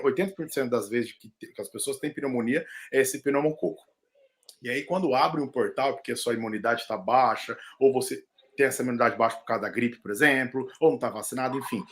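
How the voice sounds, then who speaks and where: A middle-aged man, a lung doctor, explaining respiratory infections in an animated, casual way with jokey asides during a live video chat. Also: medium pitch. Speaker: pulmonologist.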